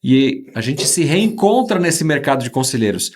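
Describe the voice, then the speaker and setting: A man's voice: mid-range voice, big pitch swings, moderate pace. A man hosting a podcast interview, talking with enthusiasm and emphasis. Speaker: host.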